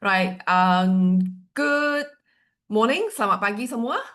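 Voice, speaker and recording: A woman's voice: medium pitch, slow. A woman from Malaysia with a Malaysian accent, giving a chatty, playful webinar presentation over a video call. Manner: chatty, lively, with a light playful tone. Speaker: university representative presenting to agents.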